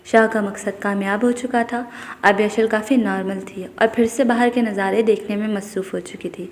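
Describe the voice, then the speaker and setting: A woman narrating a romance novel in a steady storytelling manner. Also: a little high, big-room sound. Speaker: audiobook narrator.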